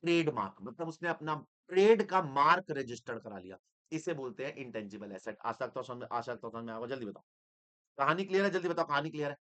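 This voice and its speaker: A man teaching accounting in an energetic, teasing lecture style, switching between Hindi and English. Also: medium pitch, quick pace. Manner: animated, teasing, mixes Hindi with English terms.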